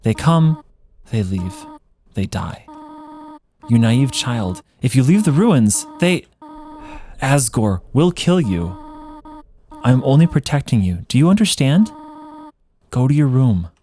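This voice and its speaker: A man voicing a gentle, doting motherly woman monster from a video game, with a hesitant, fussing, tender manner. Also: medium pitch, big pitch swings, slow, pauses often. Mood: grave, stern. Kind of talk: video game character read-along.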